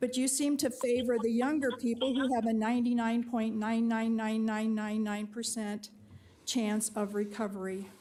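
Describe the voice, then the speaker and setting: At a moderate pace, a woman speaks with a fairly high pitch, a dark, mellow tone, a somewhat breathy quality and fairly even intonation. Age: 70s. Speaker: public commenter. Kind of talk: public comment at a county meeting.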